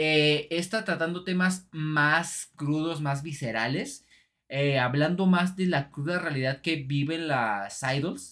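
A bright, sharp tone with a Mexican accent, very slow, with ordinary pitch variation. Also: man, fairly high pitch for a man. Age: 20s. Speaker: podcast host. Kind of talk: casual chat.

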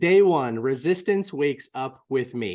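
An unremarkable speaking voice carries lively intonation over a quiet background. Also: man. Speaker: podcast co-host. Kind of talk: interview conversation.

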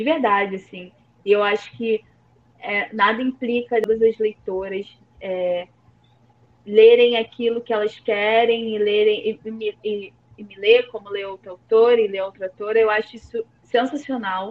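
The speaker goes at a fairly slow pace with fairly even intonation and big swings in loudness. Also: woman, fairly high pitch for a woman. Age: 20s. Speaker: author. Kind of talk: interview. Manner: halting, many fillers and repetitions.

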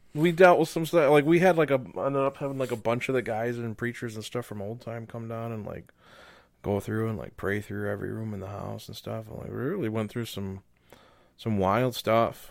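In a very clean recording with a silent background, a man talks at a fairly quick pace and medium pitch in a plain, everyday voice, with ordinary pitch variation. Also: big swings in loudness. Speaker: podcast co-host. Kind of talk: casual interview chat.

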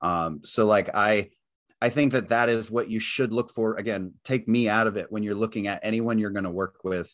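This man has an ordinary speaking voice, fairly low in pitch, moving at a moderate pace with fairly even intonation against a quiet background. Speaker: podcaster and fitness coach. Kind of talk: casual chat.

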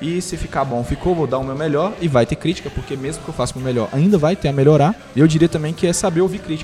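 A man's fairly high voice in a Minas Gerais accent, very fast, with ordinary pitch variation and noticeable background noise. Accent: mineiro Brazilian Portuguese. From interior of Minas Gerais, Brazil. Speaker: comic artist. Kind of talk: casual chat.

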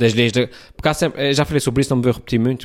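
This man speaks with a European Portuguese accent. His pitch is medium, with ordinary variation. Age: 40s. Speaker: podcaster and video creator. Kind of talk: casual solo monologue. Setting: at home, living room. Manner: hesitant, many fillers.

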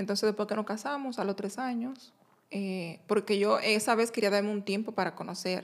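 With an ordinary speaking voice, a woman at medium pitch talks at a moderate pace with fairly even intonation. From Dominican Republic, Santiago Rodríguez province near Haiti border. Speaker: interview guest, immigrant. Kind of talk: interview, personal life story.

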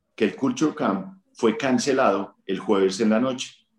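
This man has a normal speaking voice and lively intonation. His pace is moderate. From Colombia, Manizales. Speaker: author and customer service speaker. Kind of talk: interview storytelling.

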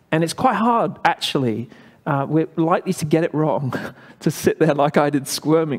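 A man's fairly high voice with an English accent, ordinary pitch variation and a moderate pace. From England. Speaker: preacher. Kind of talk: sermon.

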